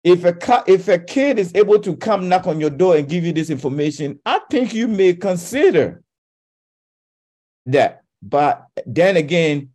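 Brief: male radio talk host, fired up, stumbles and restarts, voice a touch high, studio mic. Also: lively intonation, a little slow, a little mellow. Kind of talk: radio talk show commentary.

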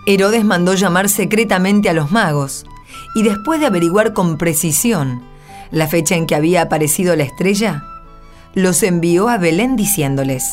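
A woman narrating scripture in a scripted, solemn style, measured and reverent, phrase by phrase. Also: fairly low pitch, lively intonation. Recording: soft music behind the voice.

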